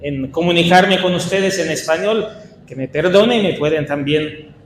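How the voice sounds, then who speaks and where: A man with an Italian accent, a Franciscan priest leading a workshop for catechists, speaking in an unhurried, halting way with small restarts. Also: fairly high pitch, background noise. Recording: echoey hall with faint ambience.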